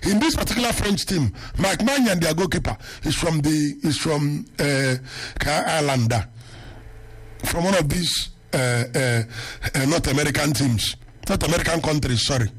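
A man's voice: fairly high pitch, normal speed, breathy edge. A man with a Nigerian Igbo accent hosting radio sports talk, rambling casually with many fillers and Igbo phrases.

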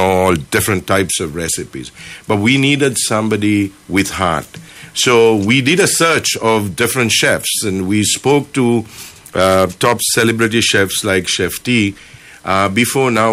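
Low, bright-voiced man from Sri Lanka. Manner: measured, with many filler pauses. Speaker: company managing director. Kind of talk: radio interview guest. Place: radio studio.

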